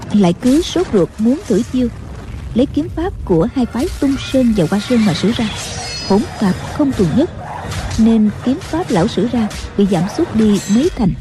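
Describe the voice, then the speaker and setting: A woman narrating a martial-arts novel as an audiobook in a steady storytelling voice. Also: on the high side, moderate pace. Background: faint music.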